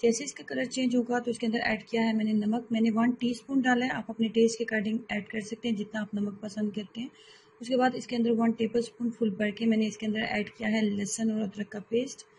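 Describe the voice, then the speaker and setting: A woman hosting a home cooking channel, calmly explaining recipe steps in a voice-over and often repeating herself. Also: on the high side, slight background noise, poor audio.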